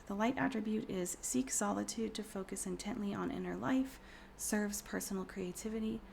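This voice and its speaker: A woman in her thirties doing a casual tarot reading, hoarse from a cold, speaking softly and often in a whisper with many fillers. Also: medium pitch, slight background noise. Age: 30s. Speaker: tarot reader.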